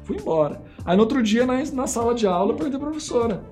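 A man's voice: very high-pitched, fast, soft background music. A man with a Brazilian Portuguese accent, a missionary guest telling stories casually and acting out the voices in them. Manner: animated, acts out voices in his stories. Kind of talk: casual storytelling.

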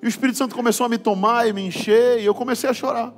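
A man's voice: extremely high pitch, fairly even intonation, rapid-fire, soft background music. A man pastor with a Brazilian Portuguese accent preaching a sermon, casual and slangy, building to fervent passages. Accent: Brazilian Portuguese, from Belém.

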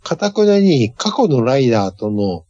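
Mellow, lively man, halting delivery. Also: mid-range voice, no room sound. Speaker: guest explaining a superhero series. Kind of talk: casual chat. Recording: dull lo-fi audio.

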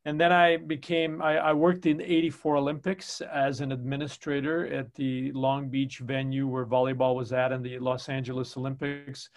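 A man's voice: medium pitch, little pitch movement, moderate pace, hardly any pauses. An older man, a volleyball coach who grew up in Chicago, telling his long career story in a casual interview with many ums and uhs. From Chicago, United States.

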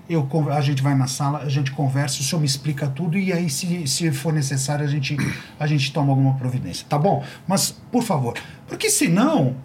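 A man's voice: on the high side, a little hiss or hum. A middle-aged man in a casual panel conversation, telling anecdotes and acting out the dialogue of the people in them. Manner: animated storyteller acting out quoted dialogue.

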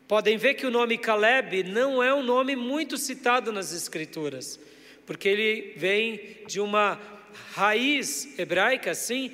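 A man's voice: sits high, sharp tone. A male pastor preaching a sermon to his congregation, emphatic, drawing out key words and putting questions to the listeners. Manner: addresses congregation directly with questions. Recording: church hall reverb.

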